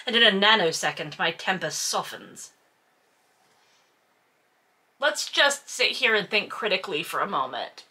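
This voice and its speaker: A woman hosts a book read-aloud, breaking off into casual commentary that is sarcastic, sardonic, incredulous, and emphatic, with some swearing. Her voice is on the high side, bright and forceful.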